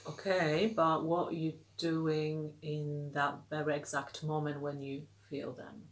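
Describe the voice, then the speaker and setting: A woman interviewing a guest in a casual conversation, questioning and gently challenging. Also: low voice, flat delivery, unhurried.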